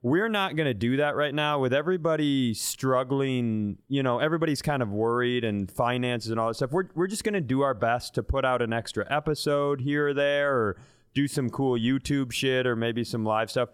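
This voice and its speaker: Clear-voiced man, dry close podcast sound. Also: medium pitch, normal speed, dry recording. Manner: informal, swearing. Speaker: comedy podcast host. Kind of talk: casual chat.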